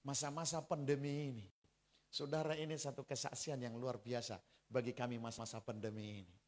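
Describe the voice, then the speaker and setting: A man's voice: mid-range voice, brisk. A man, preaching a sermon as a pastor and telling stories straight to the congregation. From Central Java, Indonesia. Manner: animated storytelling, addressing the congregation directly.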